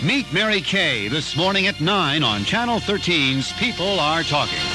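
Over clear background music, the voice moves at a moderate pace in a dry sound with no echo. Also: man. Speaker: TV talk show co-host. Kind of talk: radio promo spot. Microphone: old recording.

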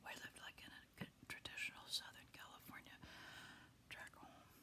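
Whispering at a fairly slow pace, a woman speaks. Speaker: vlogger. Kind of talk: casual vlog chat while eating. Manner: soft, quiet ASMR storytelling voice. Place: home room. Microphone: webcam.

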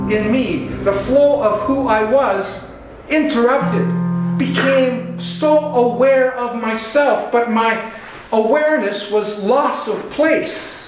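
Amid noticeable background noise and audible room echo, a man speaks very slowly at a high pitch with lively intonation. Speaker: poet, reading his own work. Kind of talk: poetry reading, performance poetry. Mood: solemn, reflective delivery. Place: hall. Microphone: camera far.

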